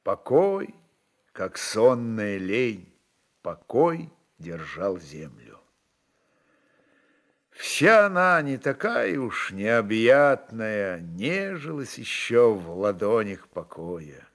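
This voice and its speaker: A man narrating literary prose dramatically, in an expressive, measured manner with deliberate pauses. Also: lowish voice.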